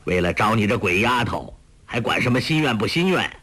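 A man voicing a proud, aloof older martial master in a storybook reading, speaking gruffly and curtly in a lowered voice. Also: sing-song, a little fast, fairly bright tone, full character voice. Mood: stern. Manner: gruff, curt, low and cold.

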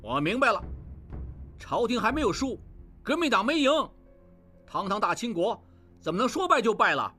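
A woman's voice: on the high side, very animated, breathy edge, soft background music, exaggerated voice. A woman doing a blustering hot-headed clansman. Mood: agitated. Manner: loud, rapid, blustering.

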